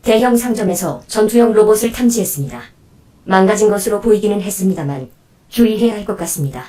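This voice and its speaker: A woman playing a dutiful android helper in an audio drama, speaking formally, in a measured and unemotional way. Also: mid-range voice, animated, dark tone, lightly acted. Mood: calm, formal. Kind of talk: Korean audio drama acting.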